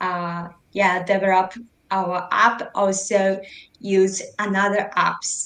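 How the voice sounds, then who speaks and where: A woman's medium-pitched voice with a Japanese accent, monotone and flat, at a very slow pace, with audible room echo. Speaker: lightning wallet builder. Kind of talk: group video call discussion. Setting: video call. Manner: halting, many fillers.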